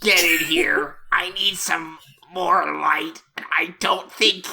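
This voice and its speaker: A woman voicing a cranky teenage turtle inventor with a croaky, witch-like rasp, scolding impatiently in a comedic fanfic reading. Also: fairly low pitch, fairly even intonation, takes it slowly, bright, forceful tone, pitched below the performer's own voice, heavily acted. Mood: bossy.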